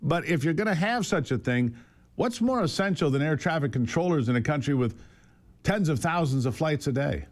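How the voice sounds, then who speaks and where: Hosting a political interview with strong opinions, this man speaks at a moderate pace in a slightly high voice with lively intonation. For emphasis he leans on rhetorical questions and repeats phrases.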